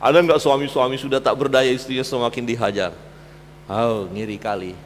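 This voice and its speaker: A man preaching a sermon as pastor, swinging between loud emphatic peaks and low quiet asides. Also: steady tone, a little fast, big-room sound, slight background noise. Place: church hall.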